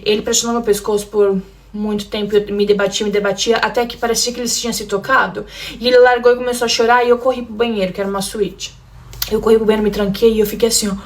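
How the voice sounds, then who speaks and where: A young Brazilian woman tells her own story of abuse in an emotional personal testimony, her voice medium in pitch, level in tone, and fast. She talks straight to her listeners, calling them "gente," and acts out the lines people said to her.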